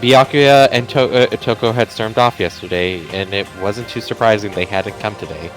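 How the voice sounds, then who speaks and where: Wry man with a lower voice. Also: normal speed, rough recording. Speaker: player reading in a group game stream. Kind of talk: casual commentary mixed with script reading. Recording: game music behind the voice.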